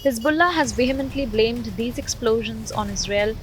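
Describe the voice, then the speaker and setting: A woman's voice: fairly high pitch, normal speed, background noise. A woman reading a scripted news voice-over as the narrator of a report. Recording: background music under voice-over. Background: music bed.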